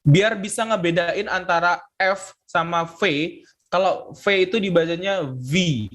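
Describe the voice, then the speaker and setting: A young man with an Indonesian accent leads a classroom pronunciation drill in a light, notably high voice. He keeps it relaxed and jokey, saying a word and waiting for the class to echo it. Students chatter in the background. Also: measured pace. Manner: relaxed and joking, drills words for a class to repeat. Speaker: English teacher.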